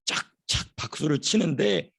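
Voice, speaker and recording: A man preaching a sermon as a pastor, telling stories in an animated way and repeating phrases for emphasis. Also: a little high, measured pace, husky. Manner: storytelling, animated. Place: church.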